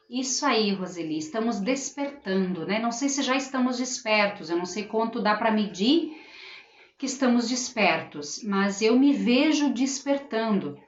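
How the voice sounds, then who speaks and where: A middle-aged school teacher hosts a casual live stream from home, her voice on the high side and a bit bright. She talks earnestly to viewers and reads their comments aloud, with roomy, dull lo-fi sound.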